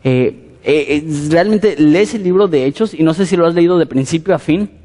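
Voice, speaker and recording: Pastor, somewhat high voice, vivid sermon storyteller, echoey church hall. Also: male voice, moderate pace. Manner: lively storytelling, asks the listeners questions.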